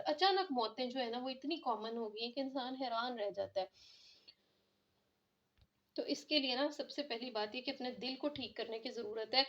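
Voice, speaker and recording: Woman religious lecturer, earnest and explanatory, fairly high voice, lo-fi recording. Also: fairly bright tone. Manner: earnest, explanatory, frequent filler "jo hai na". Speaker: Islamic lecturer. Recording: dull lo-fi recording.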